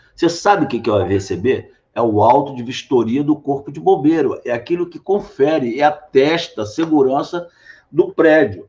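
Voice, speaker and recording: A man with a fairly high voice speaks at a moderate pace. His intonation is lively. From Rio de Janeiro, Brazil. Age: 60s. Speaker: doctor and political candidate. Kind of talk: interview. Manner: animated.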